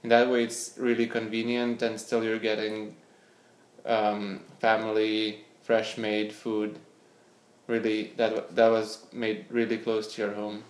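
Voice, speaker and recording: A man's voice: lowish voice, completely flat delivery, unhurried. A young man from Lithuania, answering interview questions hesitantly, often repeating words as he searches for them. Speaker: interview guest, scientist and startup founder. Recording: echoey room.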